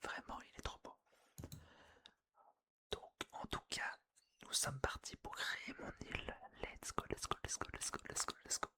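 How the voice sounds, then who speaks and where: A person whispering breathily and closely into the listener's ear, narrating gameplay in a soothing ASMR style and softly repeating phrases. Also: moderate pace, long pauses. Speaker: gaming ASMR video creator.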